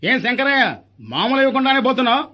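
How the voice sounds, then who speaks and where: A man's voice: extremely high pitch, fast talker, bright, forceful tone. A man in a comedy sketch, scolding and confronting the other speaker. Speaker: comic actor in a hospital sketch. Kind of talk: comic dialogue sketch.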